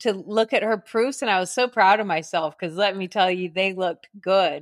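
With an American accent, a woman talks at a moderate pace at medium pitch with ordinary pitch variation. The recording is very clean, with a silent background. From US Midwest. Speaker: headshot photographer. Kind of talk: interview.

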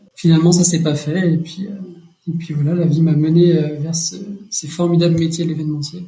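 Amid audible room echo, a man with a high pitch talks at a moderate pace in a monotone, flat intonation. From Savoie, France. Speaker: event operations director. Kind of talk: podcast interview.

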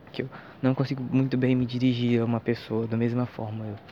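A man speaks fairly quickly with fairly even intonation over noticeable background noise. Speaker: solo podcaster. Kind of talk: casual monologue. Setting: at home while cooking. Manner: halting, stammers when improvising.

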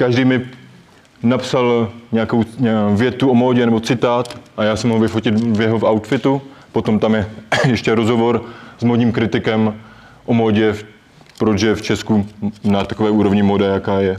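A man at a moderate pace, loudness very even, intonation monotone and flat, with long, frequent pauses. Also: medium pitch for a man. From Czech Republic, Vsetín (Moravian Wallachia). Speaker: influencer marketing specialist. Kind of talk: lecture.

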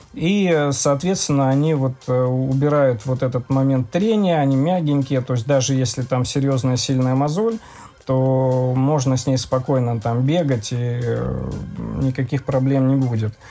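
The delivery is fairly slow, and background noise is noticeable throughout. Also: man. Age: 30s. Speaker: sports doctor, orthopedic traumatologist. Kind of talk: interview on sports medicine.

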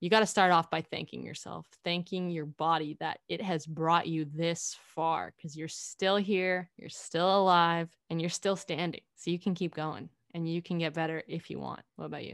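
An unremarkable speaking voice moves at a moderate pace with hardly any pauses and fairly even intonation, captured dry and close with no echo in a very clean recording with a silent background. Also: woman, fairly low pitch for a woman. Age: 20s. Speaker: podcast host, teacher student. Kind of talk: casual chat.

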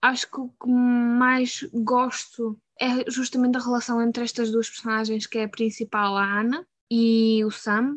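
A woman's high-pitched, flat, monotone voice at a fairly slow pace, with a quiet background. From Venezuela. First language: Spanish (speaking Portuguese). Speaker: university student. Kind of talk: interview about a book. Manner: hesitant, with repetitions.

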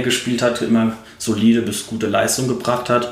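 A man's voice comes through with audible echo from the room and noticeable noise in the background. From Germany, Mainz. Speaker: university student, esports fan. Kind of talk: casual chat.

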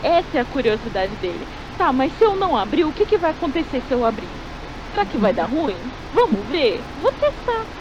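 The speaker moves at a moderate pace with long, frequent pauses and very wide pitch swings. Background noise is noticeable. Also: woman, high pitch for a woman. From Brazil, São Paulo city. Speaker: horror fiction writer and RPG player. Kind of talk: casual chat.

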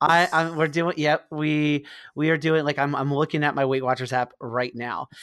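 The speaker has a Philadelphia accent and keeps a fairly even intonation. The pace is moderate and the background is quiet. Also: man, fairly high pitch for a man. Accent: Philadelphia-area American. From US Northeast, Bucks County, Pennsylvania (Philadelphia area). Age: 30s. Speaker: podcaster. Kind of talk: casual chat.

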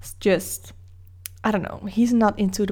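A woman speaks with a Dutch accent. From Netherlands. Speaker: podcaster and YouTuber. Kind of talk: casual solo podcast monologue. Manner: chatty, hesitant with fillers.

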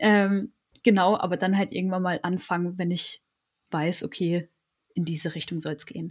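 On a very clean recording with a silent background, a woman at medium pitch speaks at a moderate pace with fairly even intonation and long, frequent pauses. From Freiburg, southwestern Germany. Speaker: recent school graduate. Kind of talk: interview.

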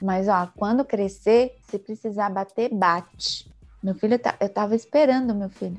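Fairly high in pitch with fairly even intonation, a woman with an ordinary speaking voice talks at a moderate pace. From Brazil, ABC region of São Paulo. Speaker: psychologist and author. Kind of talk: interview about parenting. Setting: podcast.

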